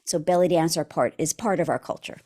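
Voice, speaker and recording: A woman from the United States, a belly dance instructor, talking as a podcast guest and explaining things earnestly, with quick laughs and a few fillers. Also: low voice, dark tone. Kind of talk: casual interview chat.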